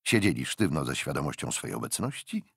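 An older man reads literary fiction in a very low, husky voice. His delivery swings widely in pitch, with deliberate phrasing and dramatic pauses that give the narration a theatrical shape. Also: very animated, a bit bright, dry recording, studio quality. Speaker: audiobook narrator.

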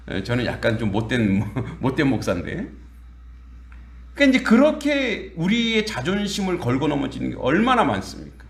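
Lively preaching man in an echoey church. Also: mid-range voice. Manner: lively, conversational preaching with acted quotes and laughs. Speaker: pastor. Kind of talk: sermon. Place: church sanctuary.

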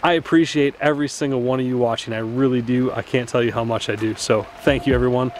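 A man in his thirties talks straight into a close camera outdoors after dark, wrapping up a fishing day in an easygoing, rambling way. His voice sits at an ordinary middle pitch, and a faint hiss runs underneath. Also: fast. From Wisconsin. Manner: relaxed, chatty, plenty of "uh" and "so". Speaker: fishing channel host. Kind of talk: casual vlog talk to camera. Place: outdoors at night beside a car.

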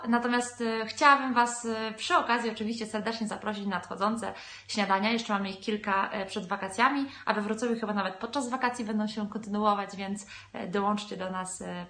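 A woman in her thirties speaks straight to a camera set close to her in a small bright room. She pauses on frequent fillers as she talks, and her voice rings off the bare walls. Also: mid-range voice. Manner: many hesitation fillers between phrases. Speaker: event host. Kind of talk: video introduction to camera. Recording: echoey room.

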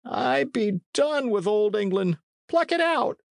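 A man voicing a defiant old male archer who is dying, speaking in a high, strained old-man voice. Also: big pitch swings, unhurried, gravelly, fairly bright tone, no room sound, clean studio sound, full character voice. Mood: gasping. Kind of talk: audiobook character voice.

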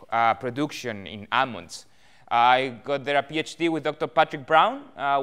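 Chilean man, 30s, clear smooth voice, casual presenter with lots of "uh"s, speaking in a meeting hall. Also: medium pitch, fairly bright tone. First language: Spanish. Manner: friendly, many fillers, gestures with hands. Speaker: guest speaker, almond research manager. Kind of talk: presentation to growers. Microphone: far camera, no mic seen.

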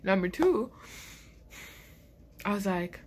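A woman's voice: medium pitch, lively intonation, takes it slowly, a little mellow. Chatty woman with a stuffy head cold. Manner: chatty, rambling, laughs often. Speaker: vlogger. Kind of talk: casual vlog chat to camera. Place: small bedroom indoors.

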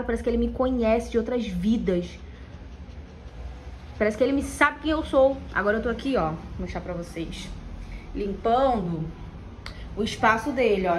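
A woman's voice: a little high, a little hiss or hum. A young Brazilian woman with a Rio de Janeiro accent, vlogging at home on a phone and talking baby-talk to her dogs while laughing often. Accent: Rio de Janeiro Brazilian Portuguese. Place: home, indoors.

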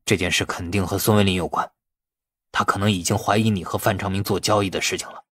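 Guy doing a vengeful young fugitive, low husky voice, dry audiobook sound. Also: fairly even intonation, fast, a bit bright, dry recording. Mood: resolute. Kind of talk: audiobook character dialogue.

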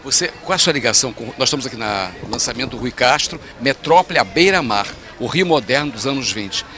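Bright-voiced older Carioca TV interviewer, male. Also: mid-range voice, animated, fast talker. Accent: Carioca Brazilian Portuguese. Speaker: TV host, interviewer. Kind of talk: television interview. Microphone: handheld interview microphone.

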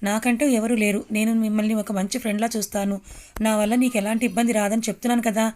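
A woman voicing a young male office worker who keeps calling a stranger and talks smoothly and persistently. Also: fairly high pitch, level tone, fast talker, darkish tone, natural voice.

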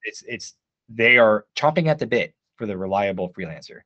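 A man's voice: fairly low pitch, lively intonation, normal speed, fairly bright tone, dry recording, lo-fi sound. A man who is a guest, giving advice in casual live-stream chat, emphatic and filled with "like.". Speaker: guest, game writer.

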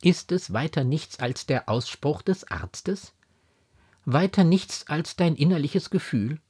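Man playing an aristocratic mother, stern, indignant, raised husky voice, classic storybook reading. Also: fairly high pitch, animated, slow, a little mellow, voice pushed up, exaggerated voice. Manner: indignant, exclaiming, elevated diction. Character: aristocratic mother, proud, stern, then anxious.

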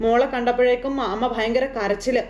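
Casting: a brisk, fairly high-voiced woman doing a loose, chatty serial recap in an echoey room. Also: steady tone, darkish tone. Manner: chatty, loose storytelling with many fillers and tag words. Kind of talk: casual retelling of a TV serial episode.

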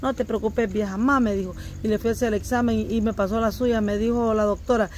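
A woman's voice: on the high side, fairly even intonation, fast talker, a little mellow, a little hiss or hum. A woman from El Salvador with a Salvadoran accent, chatting to camera and telling earnest stories to her viewers. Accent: Salvadoran Spanish. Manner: earnest storytelling, addresses viewers directly. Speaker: vlogger. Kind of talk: casual chat to camera.

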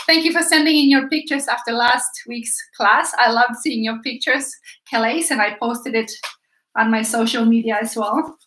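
Speaking at a normal speed with a fairly high, fairly bright voice, this woman in her thirties teaches a live paint-along, her Swedish accent clear. Standing by an easel in a small echoey room, she chats warmly and encourages viewers, occasionally turning from the camera a few feet away.

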